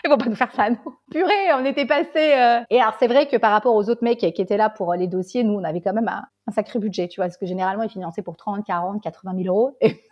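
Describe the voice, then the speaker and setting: A woman guest on a podcast telling an animated, casual story, swearing freely and checking in with the listener. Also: mid-range voice, fast talker, few pauses, lo-fi sound. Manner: animated, swears casually, keeps saying "tu vois". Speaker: guest, tea salon founder.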